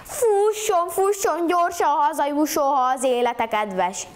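A woman's voice: high-pitched, voice pushed up, natural voice. A woman voicing a sly, greedy young maid in a folk tale, pleading urgently.

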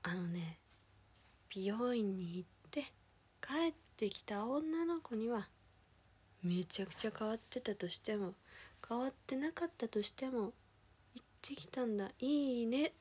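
Husky young woman with a lilt. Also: on the high side, a little slow. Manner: animated indignant ranting with whispered asides. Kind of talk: casual chat.

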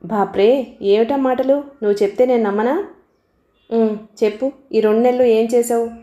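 A woman reading the part of a composed, dignified woman lecturer who speaks calmly and gently. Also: fairly high pitch, moderate pace, roomy sound, lo-fi sound, lightly acted. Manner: calm, gentle, reserved.

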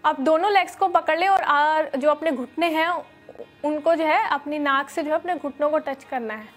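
A young woman teaching yoga in a studio, giving calm step-by-step instructions with many fillers, on a lapel mic. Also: high-pitched, normal speed, faint music behind. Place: studio with red floor and dark curtains.

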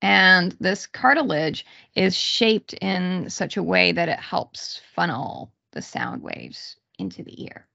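A woman giving an explanatory online lecture, speaking haltingly with pauses mid-sentence over a video call. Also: fairly low pitch, very animated, gravelly, pushed and bright, highs cut off. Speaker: university psychology lecturer. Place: small room indoors, on a video call.

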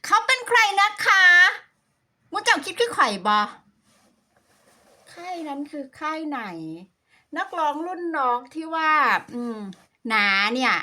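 A woman's voice: high-pitched, very animated, unhurried, pauses often, pushed and bright. A woman with an Isan Thai accent chatting casually like a sassy, playful gossip vlogger, slipping between dialect and standard Thai. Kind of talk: casual gossipy reaction commentary.

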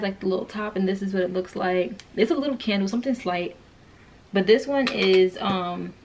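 A woman's voice: medium pitch, noisy background. A woman vlogging in a casual, rambling chat, a bit out of breath. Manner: chatty, rambling, quick bursts.

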